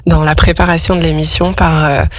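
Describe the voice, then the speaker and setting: A woman hosting a casual radio interview, pausing often as she searches for her words. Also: low-pitched, little pitch movement. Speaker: radio host. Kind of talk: casual interview and chat on a parenting radio show.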